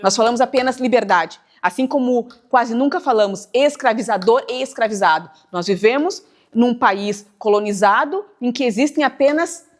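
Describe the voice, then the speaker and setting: A woman writer from Brazil, speaking in a measured, thoughtful way as an interview guest. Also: fairly high pitch. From southern Brazil, near the Uruguay border. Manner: measured, thoughtful, stretches words while thinking. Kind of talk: reflective interview talk.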